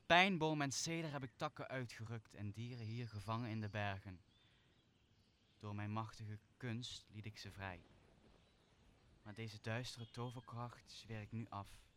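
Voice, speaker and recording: A student actor playing a solemn, wronged sorcerer who turns to forgiveness in a Shakespearean radio play, with deliberate, declamatory delivery. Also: male voice, mid-range voice, a bit bright, slight background noise, natural voice.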